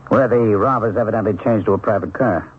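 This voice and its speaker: Probing police lieutenant, thin radio sound. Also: male voice, lowish voice, slightly rough, phone-quality sound. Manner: measured, inquisitive. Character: probing, measured male police lieutenant questioning a witness. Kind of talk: 1970s radio drama acting. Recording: thin, hissy 1970s radio broadcast.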